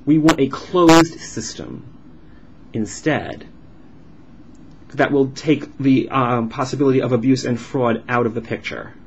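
A man voicing a signed vlog as an interpreter, explaining in halting phrases with uneven pauses. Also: mid-range voice, steady tone. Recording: dull lo-fi sound with clear background noise.

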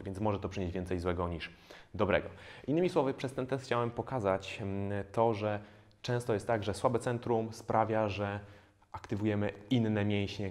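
Man in his thirties, fitness trainer, low voice, calm and explanatory, with pauses and fillers, lapel mic. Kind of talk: instructional exercise video. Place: bare indoor studio room.

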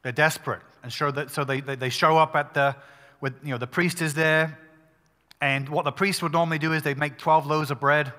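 Man, pastor, pulpit microphone, fairly high voice, conversational sermon, long hall reverb. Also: fairly even intonation, sharp tone. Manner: conversational, emphatic preaching with quick restarts.

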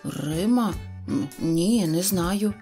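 A woman voicing a boastful, excitable tiny boy-like man who talks eagerly and shouts when excited. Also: on the low side, slow pace, faint music behind.

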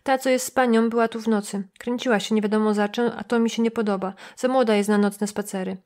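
A woman's voice: medium pitch, fairly even intonation, fast talker, darkish tone, lightly acted. A woman voicing a nosy, suspicious middle-aged male motel receptionist who lectures and gossips.

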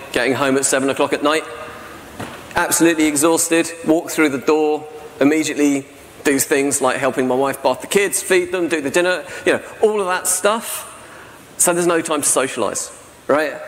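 Chatty man talking in a big hall. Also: mid-range voice. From South-East England. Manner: chatty, self-deprecating, asides with "right?". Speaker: conference speaker. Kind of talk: presentation talk. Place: large dark hall on a stage with projection screen. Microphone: stand mic at lectern. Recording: reverberant hall, faint noise.

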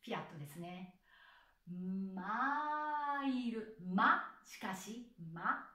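A woman's voice: medium pitch, lively intonation, sharp tone, roomy sound, far from the mic. A woman, a soprano, giving a pronunciation lesson and patiently sounding out syllables one by one. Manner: patient, slow demonstrative enunciation of syllables. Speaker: soprano and singing teacher.

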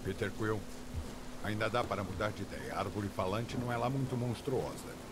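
A man with a Brazilian accent playing a blunt, literal-minded alien warrior in a video game, formal and deadpan. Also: lowish voice, normal speed, very noisy, lightly acted. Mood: deadpan, stern. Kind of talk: dubbed video game dialogue.

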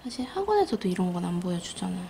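A woman's voice: lowish voice, rapid-fire, creaky. A woman with a Gyeongsang Korean accent chatting casually as she teaches nail art by hand. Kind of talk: casual hands-on tutorial chat. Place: indoor nail art studio. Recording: noisy room, steady background noise.

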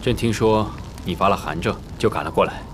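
An actor playing a composed, solicitous young emperor in a period palace drama. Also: male voice, fairly low pitch, fairly quick, lightly acted. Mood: calm concern. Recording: faint background noise.

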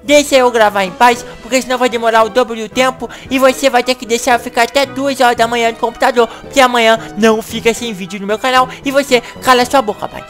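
A woman hosting a gaming channel in a comedic video-game animation. She talks in excitable, whiny bursts with a rather high voice. Faint music plays under her. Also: quick pace, hardly any pauses.

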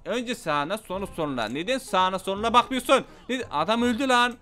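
A man giving loud, playful gameplay commentary, shouting at the game's characters as he plays. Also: high-pitched, animated, brisk, faint music behind. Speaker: gaming channel host.

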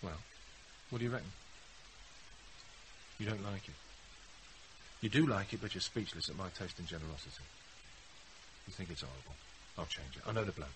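A man's voice: deep voice, a little fast, long pauses, fairly bright tone, a little hiss or hum, rough recording. An actor playing a blunt, cocky, wry British businessman in a naturalistic radio drama. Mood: wry, teasing. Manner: blunt, matter-of-fact, wry. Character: blunt, cocky businessman, tipsy partner of a mother.

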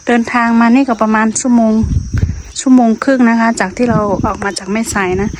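A woman's voice: on the high side, fairly quick, a little hiss or hum. A woman hosting a vlog, chatting to viewers as she climbs to the top of a hilltop pagoda outdoors. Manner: chatty, addresses viewers, exclaims at the view. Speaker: vlog host. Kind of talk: walking tour narration.

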